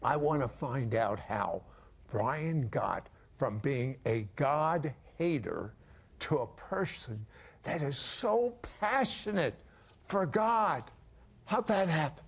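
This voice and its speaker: A man hosting a Christian television interview, speaking slowly and emphatically and leaning on key words. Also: mid-range voice, lively intonation, creaky, breathy edge. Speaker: TV show host.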